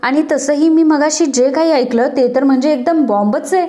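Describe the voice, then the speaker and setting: A woman's voice: sits high, normal speed, warm tone, close to an everyday voice. A woman voicing a meddling woman who stirs up trouble, sly and gloating, in a serial recap.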